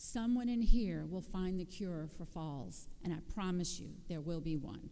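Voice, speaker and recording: A woman speaks at a fairly slow pace in a dark, mellow tone with lively intonation. Room echo is audible. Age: 60s. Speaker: nursing leader, conference speaker. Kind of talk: conference talk.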